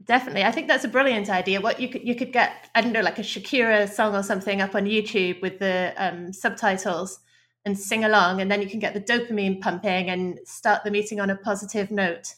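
A woman's voice: medium pitch, fairly even intonation, brisk, fairly bright tone. A woman, a podcast guest explaining her ideas in a thoughtful, chatty way, often restarting phrases. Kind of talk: podcast interview.

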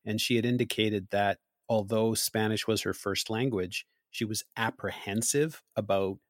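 A man's voice: on the low side, fairly even intonation, moderate pace, no echo, clean studio sound. A man, from Montreal, hosting an interview in a chatty, anecdotal way. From Montreal, Canada. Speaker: interview host. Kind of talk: conversational interview.

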